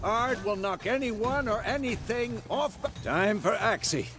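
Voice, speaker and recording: An actor playing a stern old warrior mentor in a fantasy video game, gruff, commanding and instructive. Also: male voice, sits high, lively intonation, a little slow. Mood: instructive, lively. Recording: game music under the dialogue.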